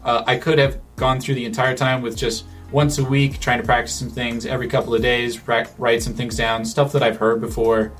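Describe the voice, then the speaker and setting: This is casual chat from a man whose voice sits at a typical middle pitch. He is thoughtful, frequently breaking off and beginning again with fillers as he sorts out his ideas, while music plays softly and faintly underneath.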